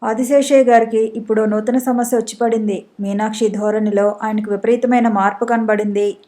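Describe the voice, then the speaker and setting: A woman's voice: on the high side, fairly even intonation, fairly quick, warm tone. A woman narrating a storybook and reading the characters' dialogue with some expression. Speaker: audiobook narrator.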